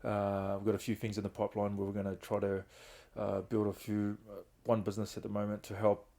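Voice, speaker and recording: A middle-aged podcast guest and founder of a reintegration trust recounts his story with earnest openness about hard times. His fairly low voice is monotone, creaky and mellow, moving fairly quickly.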